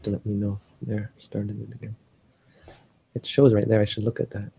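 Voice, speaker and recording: A man's voice: lowish voice, flat delivery, normal speed, creaky, dark tone, breathy edge. A Canadian man giving a rambling casual talk on a live stream, often restarting and searching for words. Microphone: live stream setup.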